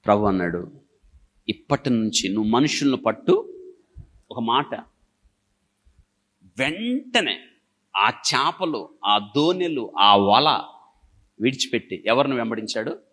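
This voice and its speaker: A man's voice: mid-range voice, sharp tone, husky. A male pastor preaching a sermon in short bursts, firing repeated questions at the congregation and telling everyday stories to make his point.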